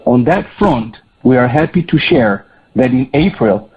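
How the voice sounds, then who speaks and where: A man with a husky, rough-edged voice delivers prepared corporate remarks as a chief executive. His delivery is formal and measured, at a medium pitch. The sound is somewhat dull, like conference call audio. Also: very animated.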